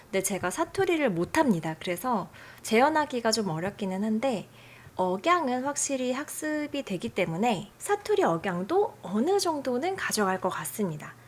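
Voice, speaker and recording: A woman hosting a software tutorial, explaining settings in a friendly, chatty way. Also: a little high, sing-song, moderate pace. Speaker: tutorial host.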